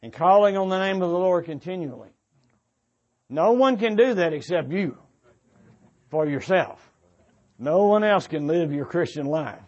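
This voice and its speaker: A man preaching an informal, earnest sermon of exhortation, speaking haltingly and often restating his phrases. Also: sits high, expressive, darkish tone, lo-fi sound. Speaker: preacher addressing young adults at a church gathering.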